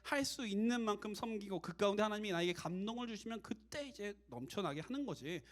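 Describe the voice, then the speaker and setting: A man preaching a casual, conversational sermon to young adults as their youth pastor, animated and direct. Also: high-pitched, a little fast.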